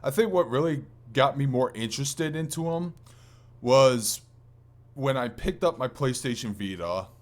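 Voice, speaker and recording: A man's voice: mid-range voice, expressive, a little slow. A man co-hosting a podcast, chatting casually about video games in a rambling, conversational way. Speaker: podcast co-host.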